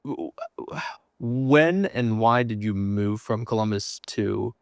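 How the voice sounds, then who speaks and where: A man's voice: lowish voice, takes it slowly, no room sound, clean studio sound. A man hosting a casual podcast interview, asking questions and teasing his guest. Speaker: podcast host.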